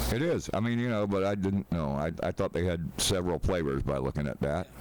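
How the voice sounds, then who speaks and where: Fairly quick and with lively intonation, a man with an American accent talks at a very deep, low pitch, his loudness very even. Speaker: radio host. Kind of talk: casual chat.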